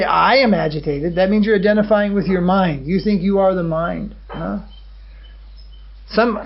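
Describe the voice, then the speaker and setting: High-voiced man giving a measured lecture. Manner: measured, checks on listeners with a questioning "hmm?". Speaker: swami giving a spiritual talk. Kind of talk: religious lecture. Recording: dull lo-fi recording.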